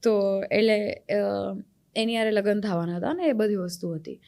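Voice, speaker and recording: A woman's voice: mid-range voice, normal speed. A young woman from Gujarat with a Gujarati accent, an actress earnestly recounting a painful past relationship as a podcast guest. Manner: earnest, animated when recounting anger. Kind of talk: emotional personal storytelling.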